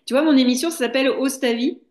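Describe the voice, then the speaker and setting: A woman's voice: high-pitched, fast talker, darkish tone. Woman host, roomy echo. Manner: curious, encouraging questions. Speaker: show host. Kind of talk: casual interview conversation.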